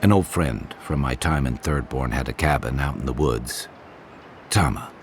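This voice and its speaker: A wry, very deep-voiced game adventurer. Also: male voice, moderate pace, slight background noise. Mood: reflective, hesitant. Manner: wry, teasing, reflective. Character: easygoing wry male adventurer companion, weathered but good-humoured. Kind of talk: naturalistic video game dialogue.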